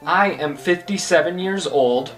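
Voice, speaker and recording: Twenty-something guy joking around on his vlog, voice a bit high, some quiet guitar music in the back. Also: unhurried. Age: 20s. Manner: joking, chatty, rambling. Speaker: YouTube host. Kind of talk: casual vlog Q&A.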